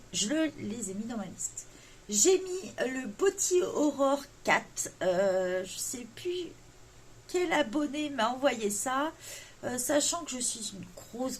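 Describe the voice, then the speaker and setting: A woman who vlogs about coloring chats casually about her wish list, with plenty of hesitant fillers and jokes about her English accent. Her voice sits on the high side, with slight background noise.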